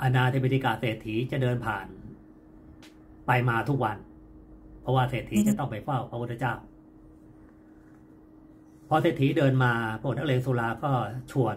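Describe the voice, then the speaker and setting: Over light background noise, a man speaks with fairly even intonation. His voice is somewhat breathy. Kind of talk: storytelling sermon. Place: home room. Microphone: phone near.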